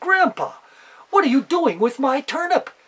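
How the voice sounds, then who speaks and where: A woman puts on a character voice, pitched high with very wide pitch swings. She speaks at a moderate pace. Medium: read story.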